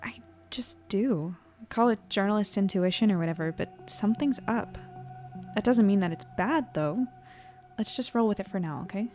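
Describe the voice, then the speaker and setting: Woman doing a young journalist in an audio drama, guarded, casual but decisive, average pitch. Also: normal speed, darkish tone, soft background music, close to an everyday voice. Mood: guarded, hushed.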